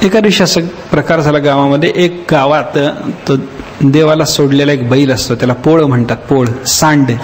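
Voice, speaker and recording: A man giving a devotional discourse as a spiritual teacher, telling a story with lively acted-out voices and slowly chanted verses. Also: a little high, a little hiss or hum. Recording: long hall reverb.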